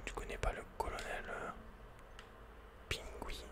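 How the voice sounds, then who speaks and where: Whispering man, ASMR game commentary. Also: a little slow. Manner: casual, slangy muttering with mild swearing. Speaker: ASMR gaming streamer.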